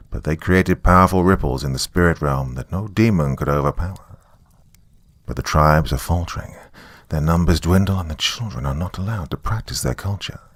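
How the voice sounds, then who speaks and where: A man's voice: sits low, no echo. A man voicing a solemn Native American elder who gives a grave, portentous warning in a horror story. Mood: foreboding warning. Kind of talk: dramatic reading in a horror story.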